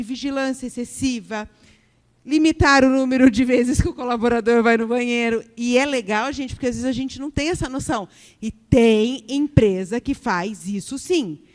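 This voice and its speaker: A woman's voice: fairly high pitch, in a large hall. A Brazilian woman giving a workplace harassment training to a live audience. She keeps checking in with the room and acts out example remarks.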